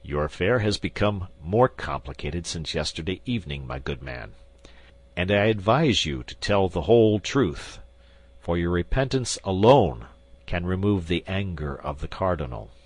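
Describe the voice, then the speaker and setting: A man's voice: deep voice, very animated, normal speed, dry recording. A man playing a stern interrogating commissary. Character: stern, pompous male police commissary.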